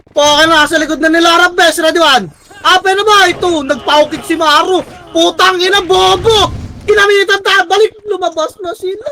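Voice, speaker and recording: A very high-pitched woman calls the shots for her team in the middle of a live game. Her voice is bright and piercing. She fires off quick orders, swears at her teammates nonstop, and often breaks into exasperated shouting. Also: a little hiss or hum, low-quality recording. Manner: barks rapid commands and swears constantly at teammates. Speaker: team commander in an online strategy game. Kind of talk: live gameplay shot-calling.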